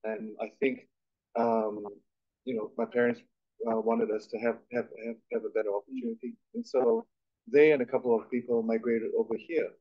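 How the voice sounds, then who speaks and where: A man's voice: mid-range voice, moderate pace. Chatty self-deprecating man from Malaysia. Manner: chatty, self-deprecating, many repeated starts. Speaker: guest speaker. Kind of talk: conversational interview on stage. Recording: dull lo-fi recording.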